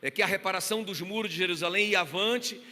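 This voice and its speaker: A man's voice: high voice, fast talker, pushed and bright. A man with a Brazilian Portuguese accent preaching a sermon in church, passionate and full of told stories with acted-out quotes. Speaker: pastor. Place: church hall. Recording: reverberant church hall.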